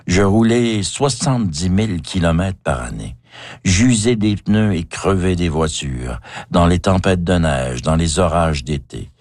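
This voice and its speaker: Wry older Québécois man, deep voice. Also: a little mellow, dry recording, clean studio sound. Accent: Québécois French. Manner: wry, measured, self-mocking. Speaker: author narrating his own life. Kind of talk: scripted memoir narration.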